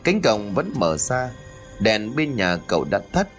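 A man narrating a spooky family story in an expressive, dramatic storytelling style. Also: fairly low pitch, measured pace. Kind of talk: scripted narration. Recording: faint background music.

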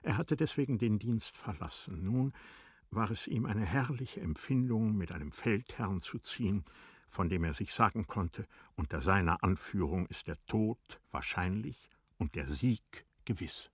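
A man narrating a literary radio drama in a measured, formal storytelling manner. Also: on the low side, lively intonation, breathy edge, no room sound, studio quality.

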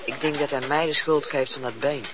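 An actor playing a timid bedridden young man who reads haltingly, stumbling with hesitant fillers in a radio play. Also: fairly high pitch, steady tone, noisy background, natural voice. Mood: troubled. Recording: dull lo-fi old radio recording.

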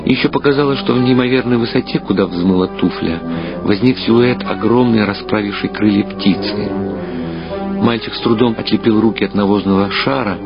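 A male narrator with a lowish voice reading a story in a measured, somber tone. The old radio recording sounds dull and muffled. Loud music plays underneath.

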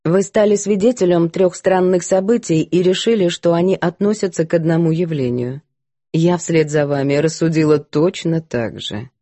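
A woman voicing a composed, firm governess who speaks calmly and evenly, a little lower. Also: no room sound, natural voice. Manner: calm, measured, composed. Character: calm, firm older English governess.

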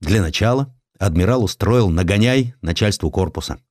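A man narrating historical sketches as a dramatised audiobook, in a theatrical, expressive way. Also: lowish voice, moderate pace, no echo, studio quality.

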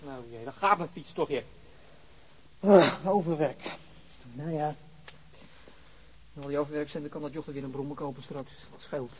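Chatty, folksy body removal worker. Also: male voice, fairly high pitch, moderate pace, long pauses, darkish tone, husky. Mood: resigned grumbling. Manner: folksy, colloquial, teasing. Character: jovial, chatty working-class male body removal worker. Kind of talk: Dutch radio play acting. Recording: noisy old radio drama recording.

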